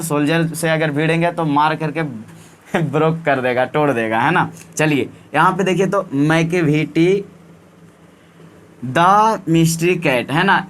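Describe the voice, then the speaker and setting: A man with a slightly high voice teaches in a relaxed exam-prep style. He repeats each point and keeps checking with his students by ending sentences with a question tag. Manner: repetitive, coaxing, often ends with "है ना". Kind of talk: casual exam-prep lesson.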